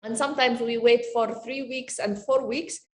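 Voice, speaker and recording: Woman panelist, higher voice, earnest and halting, echoey room over a video call. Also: steady tone. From Jordan. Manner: earnest, measured, with many pauses and fillers. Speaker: panelist, media organization director. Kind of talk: panel discussion answer.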